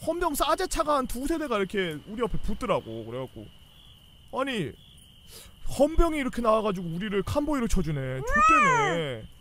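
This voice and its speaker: A young man casually telling a rowdy army story, swearing a lot and shouting out the officers' lines. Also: high voice, fairly quick, background noise. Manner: animated, swearing, acts out yelling officers.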